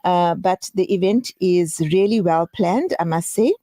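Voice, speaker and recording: A woman's voice: on the low side, measured pace, mellow, no echo, clean studio sound. An older woman, talking conversationally as an interview guest. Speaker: guest, reunion organiser.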